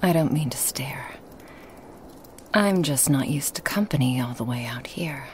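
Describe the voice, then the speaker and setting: A woman playing a lonely, hospitable woman in a remote forest cabin, speaking softly and coaxingly in a half-whisper to the listener. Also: rumbling low, animated, unhurried, slight background noise. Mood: gentle. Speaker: ASMR roleplay performer. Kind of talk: ASMR roleplay, whispered to the listener.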